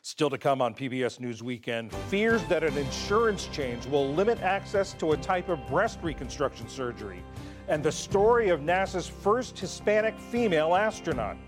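A man anchors a news broadcast. He reads the headlines in a steady, measured way, his voice sitting a little high for a man. Faint music plays under parts of his read. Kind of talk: scripted news reading.

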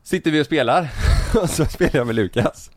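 A man's voice: on the high side, lively intonation, no echo, clean studio sound. A young man co-hosting a podcast, telling an anecdote with laughs between sentences, in casual chat. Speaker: podcast co-host. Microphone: studio microphone.

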